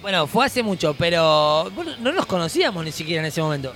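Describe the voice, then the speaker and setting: High-voiced Argentine host, chatty and slangy. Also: male voice, big pitch swings, fast, a bit bright, faint music behind. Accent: Argentine Spanish. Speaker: radio show host. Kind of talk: casual live broadcast chat. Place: live music venue.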